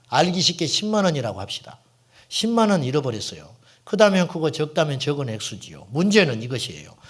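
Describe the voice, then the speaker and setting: A middle-aged man preaches from the pulpit in a fairly high voice that rises and falls with a lot of life. He asks his listeners questions and answers them himself. At moments he sinks into a soft, hushed whisper to press a point home. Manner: drops to a hushed, whispered tone for emphasis. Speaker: senior pastor. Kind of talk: sermon.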